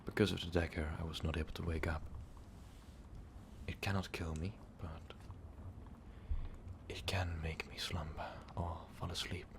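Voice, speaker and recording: Ancient vampire overlord, acted by a man, low-pitched, creaky fry, brooding and sadistic, halting half-whispered confession, ASMR roleplay. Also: little pitch movement, background noise. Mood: solemn, reflective. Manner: slow, halting confession, slipping often into whispers. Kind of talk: ASMR roleplay monologue, intimate storytelling.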